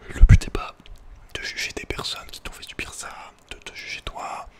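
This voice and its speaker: Male ASMR host, fully whispered, casual and halting delivery, personal advice chat. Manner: hesitant, halting, informal. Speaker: ASMR video creator and host.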